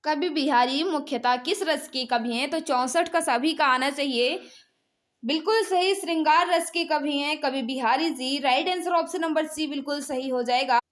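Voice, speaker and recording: A woman's voice: high-pitched, normal speed. An Indian woman teacher running a live exam quiz, reading out questions and answers in a repetitive, instructional way and prompting students.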